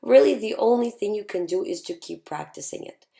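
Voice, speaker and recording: A woman hosting a live show and answering viewer questions in a calm, reassuring way, her voice still hoarse from having lost it. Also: medium pitch, fairly quick. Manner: calm, reassuring, repeats key points. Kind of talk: casual advice talk.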